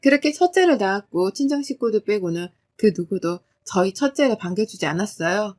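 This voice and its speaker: A woman in her forties narrating a first-person family story in a steady, plaintive way. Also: medium pitch, brisk.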